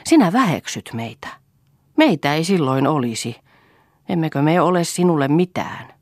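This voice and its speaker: A woman's voice: low-pitched, sing-song, darkish tone, no echo, studio quality, pitched above the performer's own voice. A woman reading an audiobook, voicing an earnest, thoughtful elder daughter.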